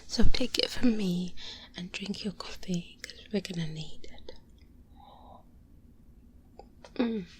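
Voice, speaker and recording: A woman playing a confident, wary vampire hunter mentor in a soft-spoken, breathy ASMR roleplay, close to the microphone with hesitant pauses. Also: medium pitch, natural voice. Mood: cautious, serious. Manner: slow, hesitant pauses, intimate. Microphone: close-up binaural microphone.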